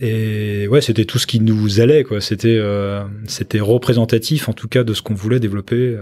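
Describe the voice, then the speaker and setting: The man's voice has a dark, mellow tone. It sits at a medium pitch. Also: fairly even intonation, moderate pace. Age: 50s. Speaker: entrepreneur. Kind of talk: interview.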